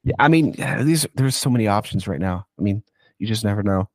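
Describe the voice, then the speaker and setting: A man speaks as a football insider on a podcast, in a lowish voice that sounds stuffy and congested, as if he has a cold. He rambles into long, loose rants and throws in a casual "dude" along the way. The sound is dry and close, with no room around it. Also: lively intonation, fairly quick, a little mellow, no room sound.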